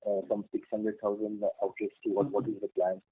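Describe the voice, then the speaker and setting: A man's voice: fairly low pitch, monotone, fairly quick, breathy edge. A man, an analyst, asking follow-up questions on an earnings call, precise and inquisitive. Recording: tinny phone line.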